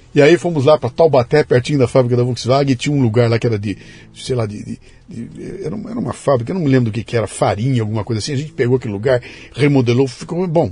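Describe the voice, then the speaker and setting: Somewhat breathy, a man speaks at a very fast pace in an animated tone. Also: medium pitch for a man, ordinary pitch variation. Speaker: podcast host. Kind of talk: interview. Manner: animated, casual.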